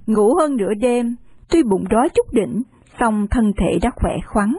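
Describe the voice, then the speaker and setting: Expressive woman reading an audiobook. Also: a little high, unhurried, slightly rough, no echo. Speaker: audiobook narrator. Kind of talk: scripted audiobook narration.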